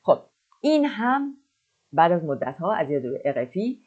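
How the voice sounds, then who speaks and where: A woman teaching French. She explains words in Persian and repeats French phrases slowly and carefully. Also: lowish voice, sing-song, narrow, tinny audio. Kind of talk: explaining a language lesson.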